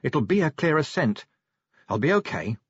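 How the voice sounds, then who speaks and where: A man performs an irritable werewolf policewoman in an audiobook. Her speech is clipped, sardonic and urgent, pitched up with a husky edge. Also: big pitch swings, normal speed, dry recording, muffled recording. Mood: tense. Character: tense, irritable female werewolf police officer.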